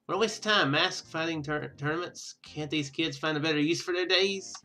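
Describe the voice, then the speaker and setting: A man's voice: fairly high pitch, fairly quick, sharp tone. A man voicing a pompous, indignant, old-fashioned parent from a visual novel game, with emphatic delivery. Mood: pompous indignation.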